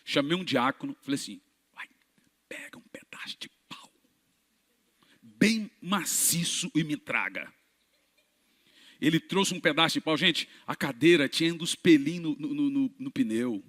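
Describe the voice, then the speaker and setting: A male pastor preaching, telling healing stories and acting out the dialogue, moving from hushed moments to shouted peaks. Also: a little high, lively intonation, normal speed. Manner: dramatic storyteller who acts out dialogue, swings from hushed to shouting. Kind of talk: preaching a sermon with healing testimonies. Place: church. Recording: long reverb of a large church hall.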